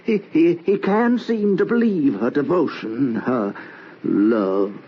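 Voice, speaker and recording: An actor playing a guilt-ridden, tormented husband confessing to murder in an old-time radio horror drama, halting and repeating his words. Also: fairly high pitch, expressive. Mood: brooding. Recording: noisy, dull old radio recording.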